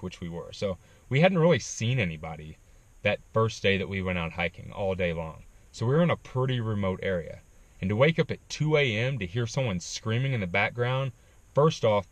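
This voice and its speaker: A man casually telling a backpacking story, animated, with frequent ums. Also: lowish voice, no room sound. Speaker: backpacking vlogger.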